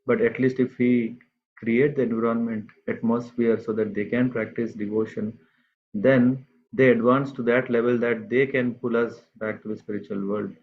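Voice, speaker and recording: A man giving a scripture class to a group, speaking unhurriedly and pausing often with fillers. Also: mid-range voice, level tone. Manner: unhurried, halting with many fillers. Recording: tinny phone-like line.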